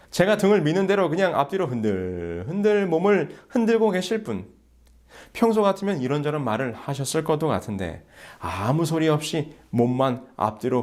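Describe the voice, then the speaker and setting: Male pastor, measured sermon delivery, mid-pitched voice, builds to emphatic peaks. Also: a little mellow.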